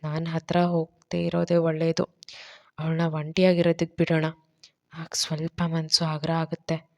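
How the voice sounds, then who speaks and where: A woman voicing a calm, considerate young man who speaks softly and thoughtfully. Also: fairly low pitch, measured pace, vocal fry. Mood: gentle. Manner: soft, thoughtful, hushed.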